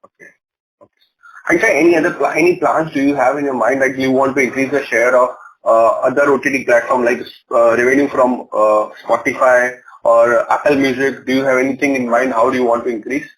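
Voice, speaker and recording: A man's voice: medium pitch, fairly even intonation, a bit bright. Polite Indian man on a noisy call. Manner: polite, halting. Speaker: investor asking questions. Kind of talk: spontaneous questions on an earnings call. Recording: faintly noisy phone call.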